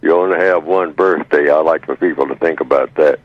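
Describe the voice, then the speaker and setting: A man in his eighties speaking by phone as a radio guest over a clipped line, slow and measured with halting fillers. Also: very deep voice, no echo. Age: 80s. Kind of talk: radio call-in talk by phone. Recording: dull, dry phone line.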